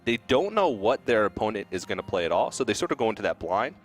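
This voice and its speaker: Male caster, quick talker, lowish voice, clear explanations over faint music. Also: big pitch swings. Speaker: esports caster. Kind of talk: explaining tournament format.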